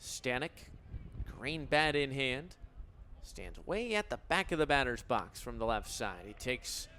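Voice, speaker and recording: An American man in his twenties calling live baseball play-by-play for radio in a crisp, descriptive announcer delivery. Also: mid-range voice, big pitch swings, a little slow, bright, forceful tone, slight background noise. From Illinois, United States. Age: 20s.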